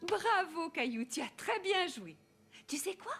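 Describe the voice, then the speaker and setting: A woman voicing a gentle, playful older grandmother in a French cartoon dub, coaxing in a singsong way. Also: very high-pitched, big pitch swings, measured pace, heavily acted. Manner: singsong, coaxing, makes games of chores. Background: background music.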